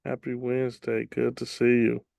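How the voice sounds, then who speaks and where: A man teaching an online class as a real estate trainer, his voice slightly raspy from much teaching, chatty and relaxed with many ums. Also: medium pitch, moderate pace. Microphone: video call.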